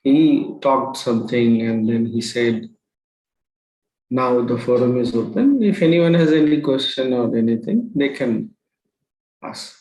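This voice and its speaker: A man, a spiritual teacher telling a story to an online group, slow and pausing, often asking his listeners questions. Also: medium pitch, a little mellow. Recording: roomy echo.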